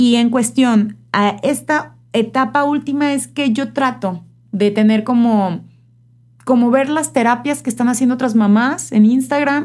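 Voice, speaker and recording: In a Mexican accent, a woman with a high pitch talks at a fairly slow pace and with fairly even intonation. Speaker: mother of a child with a rare disease. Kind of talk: interview.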